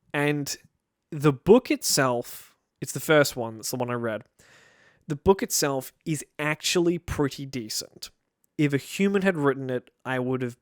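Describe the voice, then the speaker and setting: A man's voice: mid-range voice, no echo, studio quality. A young man talking to the camera in a casual, rambling way, wry and full of self-interruptions. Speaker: video creator. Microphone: camera-facing mic.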